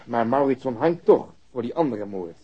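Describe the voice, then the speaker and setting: An actor playing a cynical, blunt police detective in a radio drama, talking casually and sardonically. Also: male voice, mid-range voice, expressive, normal speed, breathy edge, highs cut off. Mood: sardonic amusement. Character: cynical, coarse, amused male police detective.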